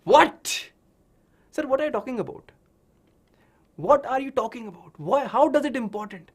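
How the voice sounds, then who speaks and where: Animated Indian man teaching, swooping high voice. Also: normal speed. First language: Hindi. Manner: dramatic storytelling with frequent check-in questions. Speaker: science teacher. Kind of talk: animated online lesson for children.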